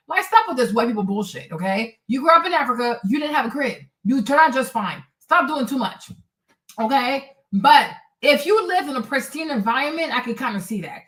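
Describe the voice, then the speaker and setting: A blunt, sassy woman giving casual reaction commentary with a fairly high voice. She talks straight to her viewers and doesn't soften her opinions. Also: rough recording. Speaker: commentary vlogger reacting to a clip.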